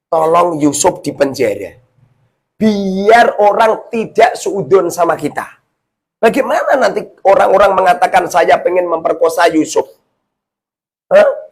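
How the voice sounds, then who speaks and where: A man, a preacher telling a religious story in a lecture to women, animated and jokey, swinging between loud and hushed lines and often checking in with his listeners. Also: a little high. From Indonesia. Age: 40s. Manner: addresses the audience often with tag questions. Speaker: Islamic preacher.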